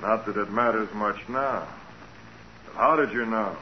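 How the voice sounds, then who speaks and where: An actor playing a cold, gloating killer with a menacing, mocking delivery in a 1940s radio crime drama. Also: male voice, fairly low pitch, unhurried, lightly acted. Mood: coolly curious. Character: cold, gloating male killer and crooked businessman with a gun. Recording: muffled, hissy 1940s radio recording.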